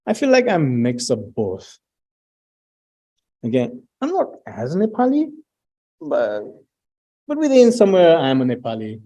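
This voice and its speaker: A middle-aged man presenting research findings at an academic talk, pausing often with fillers and restarts. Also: a little high, huge pitch swings, mellow. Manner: hesitant, many fillers and restarts, reads out student quotes.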